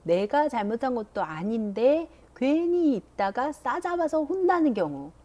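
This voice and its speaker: A woman in her forties hosting a teen advice show, asking gentle questions. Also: high voice, a little slow. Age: 40s. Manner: gentle questioning, lively intonation. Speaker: host, teacher giving advice to teens.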